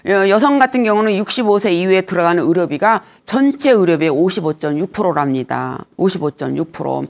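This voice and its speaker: Gravelly-voiced woman lecturer, humorous. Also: lowish voice, fairly quick. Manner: humorous, lively storytelling with acted quotes. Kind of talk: senior lifestyle lecture.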